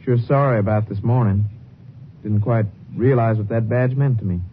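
A man's voice: on the low side, normal speed, close to an everyday voice. An American man playing a defensive, touchy young former deputy in a 1950s radio western. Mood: sheepish, grateful. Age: young adult. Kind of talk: 1950s old-time radio western acting. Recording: dull, hissy 1950s radio recording.

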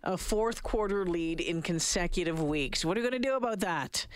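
A woman's voice: lowish voice, animated, normal speed. A woman hosting an afternoon radio show, chatting casually and informally as she interviews.

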